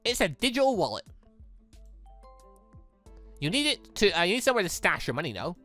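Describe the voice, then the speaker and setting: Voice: medium pitch, very animated, brisk, bright, forceful tone, faint music behind. A gaming host voicing a brash, teasing young rabbit-eared girl from a visual novel, with sassy, blunt delivery. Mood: incredulous.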